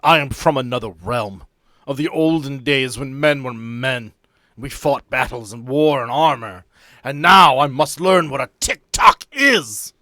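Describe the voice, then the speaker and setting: A man's voice: mid-range voice, animated, unhurried, pushed and bright, no echo. An earnest knight of a bygone realm, played by a man at a gaming table. He declaims in formal, archaic speech, solemn and displeased with the modern world. The sound is dry and close. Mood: indignant, declaiming.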